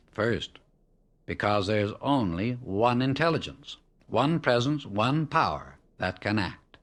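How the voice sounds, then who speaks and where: A man narrating a scripted spiritual discourse as an audiobook, solemn and measured, setting out short phrases with emphasis. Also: on the low side. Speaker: audiobook reader.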